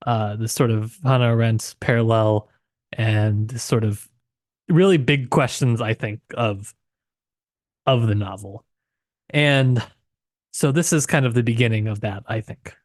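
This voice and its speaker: A man co-hosting a podcast in unscripted literary discussion, reflective and often halting as he searches for words. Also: mid-range voice, no echo, studio quality. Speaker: podcast co-host.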